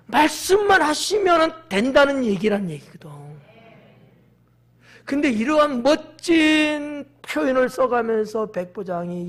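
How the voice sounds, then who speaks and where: A man preaching a sermon as pastor of his church, acting out quotes and swinging from shouts to hushed whispers. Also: extremely high pitch. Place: church sanctuary.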